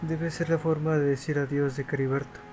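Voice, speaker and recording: A man's voice: a little high, flat delivery, quick pace, over music. A native Spanish-speaking man hosting a gaming video, reading game dialogue aloud.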